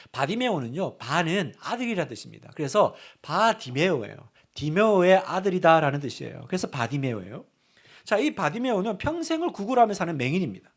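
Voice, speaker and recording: A male pastor giving a Sunday sermon, emphatic and asking the congregation direct questions. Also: sits high. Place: church sanctuary.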